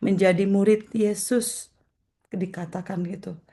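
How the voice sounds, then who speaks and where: A woman's voice: medium pitch, fairly even intonation, unhurried, dark tone. A woman evangelist giving a morning prayer sermon, earnest and repeating phrases for emphasis, addressing her listeners as brothers and sisters. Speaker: evangelist preacher.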